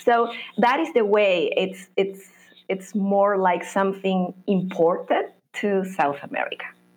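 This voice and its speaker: A woman with a Spanish accent, medium pitch and ordinary pitch variation at a fairly slow pace. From Chile, Valparaiso. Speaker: quilter and quilting teacher. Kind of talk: interview. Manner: hesitant, many fillers.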